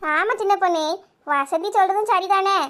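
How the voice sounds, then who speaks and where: A woman's voice: very high voice, moderate pace, a bit bright. A woman playing a caring, motherly village neighbour who soothes and coaxes the others. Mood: soothing. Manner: soothing, motherly, calls others by pet names. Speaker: neighbour Gomathi. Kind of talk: village family drama acting.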